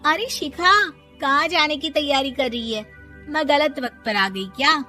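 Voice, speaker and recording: A woman playing a cartoon daughter-in-law, very high, sharp and bright, sassy, mocking, unbothered. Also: soft background music. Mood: chatty. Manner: sassy, mocking, drawn-out retorts. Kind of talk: animated story voice acting.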